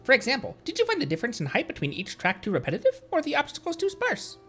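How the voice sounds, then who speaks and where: Woman playing a formal, exacting trial organiser, high-voiced. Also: huge pitch swings, fast, a bit bright, breathy edge, soft background music, full character voice. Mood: composed, exacting. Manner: formal, wordy. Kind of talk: reading game dialogue aloud.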